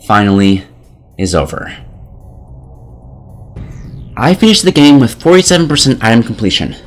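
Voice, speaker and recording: A man narrating a scripted video game review in a sardonic, critical way, as a voice-over. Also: medium pitch.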